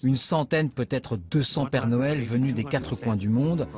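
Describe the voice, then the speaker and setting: An older man calmly recounting his own experience in an interview. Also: mid-range voice, a little slow, a crowd in the background. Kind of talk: recounting a memory.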